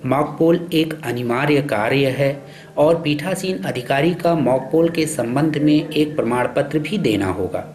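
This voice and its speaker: A man reading scripted instructional narration for a training film in a formal, measured, instructive way. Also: on the high side, a little mellow, slight background noise. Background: background music.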